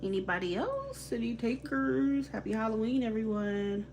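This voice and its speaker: A woman's voice: fairly high pitch, very animated, normal speed, darkish tone, a little hiss or hum, low-quality recording. A young woman with a Haitian accent, giving live tarot readings in a casual, slangy, chatty way and laughing easily. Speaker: tarot reader.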